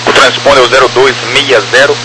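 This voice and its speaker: A man's voice: mid-range voice, level tone, a little fast. A Brazilian man working as an air traffic controller, giving clipped, formulaic instructions over a crackly, military-style two-way radio. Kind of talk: procedural aviation radio communication. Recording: crackly, humming aviation radio channel.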